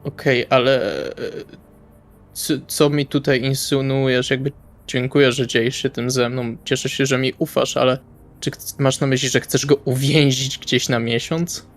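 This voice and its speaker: Wry male role-playing gamer, medium pitch. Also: flat delivery, normal speed. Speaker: tabletop role-playing player. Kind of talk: improvised in-character dialogue, casual. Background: music.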